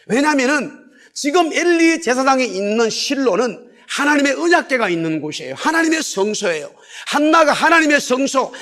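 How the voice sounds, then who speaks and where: A man's voice: very high voice, a bit bright. A man pastor preaching a sermon in church, stressing key words by repeating them and having the congregation repeat lines after him. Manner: leads the congregation in repeating phrases aloud. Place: church sanctuary.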